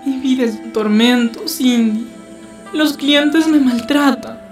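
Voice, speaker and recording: An anguished young trans woman in a radio drama. Her plaintive voice is high and sounds echoey and distant, over faint music. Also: takes it slowly.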